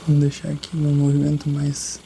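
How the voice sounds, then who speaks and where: A Brazilian ASMR voice in a medium register, soft and mellow, roleplaying a chiropractor. The talk is casual, chatty and full of light joking. A noticeable machine noise runs behind the voice. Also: medium pitch, completely flat delivery, brisk, creaky, rough recording. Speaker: ASMR creator playing a chiropractor.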